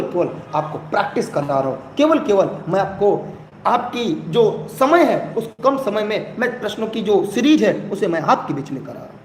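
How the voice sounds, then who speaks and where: High-pitched male teacher in an echoey room. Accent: Hindi, eastern Uttar Pradesh. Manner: urges viewers to comment, repeats phrases. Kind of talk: live online exam-prep lesson. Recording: echoey room, faint background noise.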